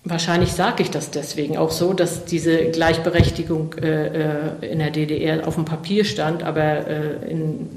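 A woman's voice: low-pitched, level tone, normal speed, few pauses, a little mellow, echoey room. A middle-aged woman from eastern Germany answering interview questions thoughtfully, with many fillers and restarts. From East Germany.

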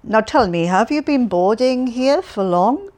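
A woman's voice: fairly high pitch, lively intonation, unhurried, darkish tone, pitched above the performer's own voice. A woman reading an audiobook, voicing a cheerful, chatty elderly man who rambles and stumbles over his words. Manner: rambling, stumbling, relentlessly upbeat.

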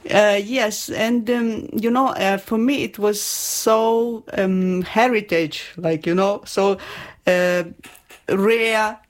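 A woman, talking in a casual group chat. Her speech is hesitant and halting, full of fillers and restarts, and she laughs often. Her pitch sits at a middle height. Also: steady tone. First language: Ukrainian. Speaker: guest.

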